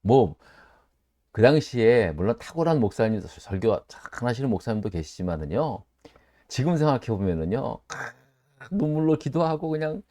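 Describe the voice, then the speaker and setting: A middle-aged man pastor leading a Bible study sermon, speaking in an animated way, asking his listeners rhetorical questions and acting out quoted voices. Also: moderate pace, dry recording. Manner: acts out quoted voices with sudden jumps in pitch.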